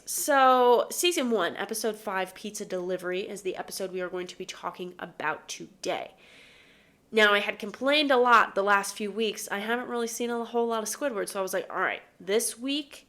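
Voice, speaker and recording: A woman's voice: medium pitch, normal speed, fairly bright tone. Nasal young woman, casual review host, chatty and opinionated, from Chicago. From Chicago, USA. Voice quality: nasal from allergies. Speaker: podcast host reviewing cartoon episodes.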